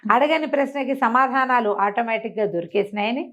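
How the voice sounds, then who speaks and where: A woman's voice: a little high, a little fast, fairly bright tone. A woman tells a folk tale conversationally, repeating phrases and slipping in small explanatory asides. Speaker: storyteller.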